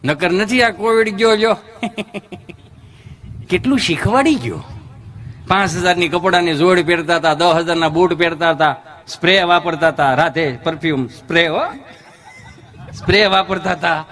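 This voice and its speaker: A man's voice: fairly high pitch, normal speed, a bit bright. A man doing folksy stand-up storytelling in a Kathiawadi Gujarati accent, sing-song and full of dialect slang. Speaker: stand-up comedian.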